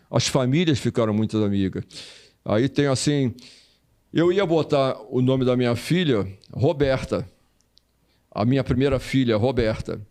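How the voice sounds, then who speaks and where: An older Brazilian man, once a footballer, speaks as an interview guest, casually telling stories, repeating phrases and acting out the voices he quotes. His voice is mid-range with a darkish tone.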